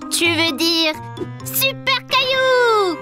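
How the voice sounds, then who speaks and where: An actor playing an excitable, confident little boy in a children's cartoon dub, exclaiming proudly and playfully. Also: very high voice, very slow, exaggerated voice. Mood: eager, proud. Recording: music behind the voice. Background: children's music.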